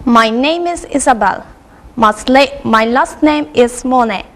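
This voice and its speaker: A woman in her twenties from France, a student in a scripted classroom dialogue, speaking in slow, simple sentences. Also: fairly high pitch. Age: 20s.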